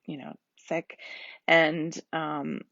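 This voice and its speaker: Husky worn-out woman chatting live from home, dry close sound, talks openly and laughs a lot. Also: sits low, steady tone, drawn-out words, a bit bright, no echo. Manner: candid, rambling, laughs often. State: husky, tired voice. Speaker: host of a live stream. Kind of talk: casual live stream talk. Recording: dull lo-fi sound.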